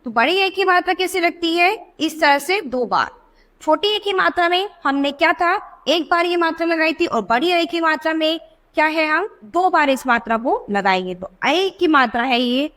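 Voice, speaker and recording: A woman teaching young children a reading lesson. She asks questions and answers them herself, and she stretches out words slowly to show the sounds. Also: very high-pitched, lively intonation, a bit bright.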